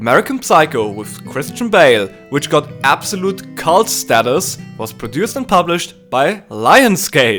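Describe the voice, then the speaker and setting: A man speaks at a fairly slow pace with a non-native accent, his pitch fairly high and swinging very widely. Music plays in the background. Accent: noticeable non-native. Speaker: movie retrospective video creator. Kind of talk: casual commentary narration.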